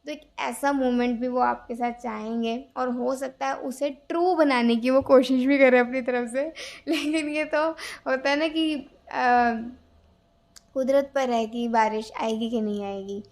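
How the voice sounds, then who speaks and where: A woman's voice: high-pitched, steady tone, unhurried, a little mellow. A woman gives a casual tarot reading, chatty and rambling, with many fillers and restarts. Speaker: tarot reader.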